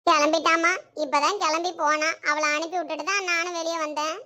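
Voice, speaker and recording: A woman's voice: extremely high pitch, steady tone, fairly quick, sharp tone. A woman playing a middle-aged mother. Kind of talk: amateur family drama acting.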